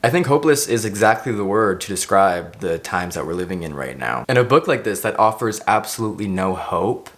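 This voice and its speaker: A man chatting casually in a book vlog, thinking aloud and often repeating himself as he rambles. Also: lowish voice. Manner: hesitant, repeats words and phrases while thinking aloud; casually sweary. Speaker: vlogger reviewing a book.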